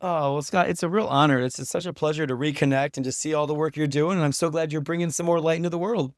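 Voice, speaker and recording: A man's voice: a little high, fairly even intonation, fast, dry recording, studio quality. A man speaking earnestly and thoughtfully as a podcast guest in a reflective interview conversation. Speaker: podcast guest, writer and teacher.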